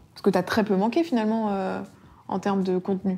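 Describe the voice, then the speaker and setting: A woman speaks at a very fast pace in a medium pitch, somewhat breathy, with ordinary pitch variation. The recording is very clean, with a silent background. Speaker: podcast interviewer and content creator. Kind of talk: casual chat.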